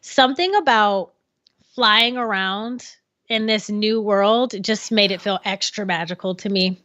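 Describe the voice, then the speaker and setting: A woman's voice: mid-range voice, unhurried, a bit bright, dry recording, lo-fi sound. A woman co-hosting a casual podcast chat, gushing with enthusiasm and laughing often. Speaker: podcast co-host.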